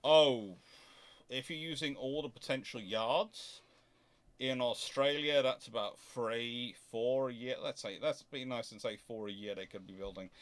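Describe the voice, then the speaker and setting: A man with a medium-pitched voice, speaking a little slowly, answers audience questions in an informal naval history Q&A. Like a host talking off the cuff, he is emphatic and opinionated, often restating points so they land.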